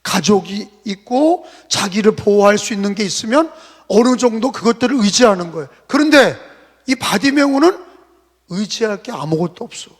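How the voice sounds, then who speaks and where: A male pastor preaching a sermon in a church, emphatic, firing off rhetorical questions and bursting out loud. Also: high voice, animated, normal speed, slightly rough. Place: church sanctuary. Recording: long hall reverb.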